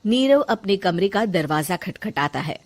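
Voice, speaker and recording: A woman's voice: mid-range voice, expressive, a little slow. A woman narrating a cartoon storybook in a plain storytelling manner.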